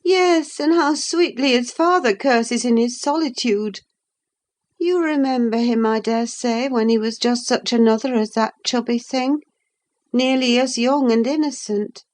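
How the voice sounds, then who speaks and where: A woman's voice: on the high side, unhurried, pitched above the performer's own voice, close to an everyday voice. A woman reading a passionate, moody young woman in an audiobook, speaking in an impassioned, emphatic way. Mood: intense. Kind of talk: audiobook character voice.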